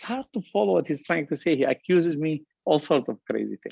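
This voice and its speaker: A man with a strong Lebanese accent talks at a fairly quick pace in a fairly high pitch, his intonation lively. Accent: heavy Lebanese Arabic. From Lebanon. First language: Arabic. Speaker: entrepreneur, panelist. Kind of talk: panel talk. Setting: virtual panel. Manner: passionate.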